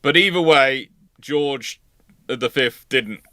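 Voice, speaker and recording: A man's voice: mid-range voice, slow pace, bright, forceful tone, no echo. A man hosting an informal live history discussion, often restarting and correcting himself and repeating points for emphasis. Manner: hesitant, self-correcting, emphatic repetition.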